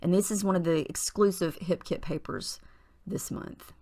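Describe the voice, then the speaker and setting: Woman with a husky morning voice, narrating crafts. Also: lowish voice, moderate pace. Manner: chatty and relaxed, with small fillers and restarts. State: husky morning voice, clearing her throat. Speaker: scrapbooking tutorial host. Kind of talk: casual voice-over narration of a craft process.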